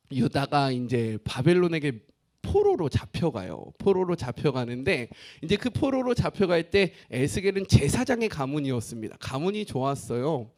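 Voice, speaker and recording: A man's voice: sits high, a little mellow. A man preaching a sermon as pastor, who jokes with the congregation and asks them questions.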